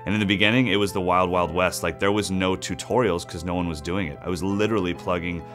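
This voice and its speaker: A man's voice: low-pitched, steady tone, fast talker, over music. A man who teaches drums online, speaking earnestly and reflectively in a documentary interview.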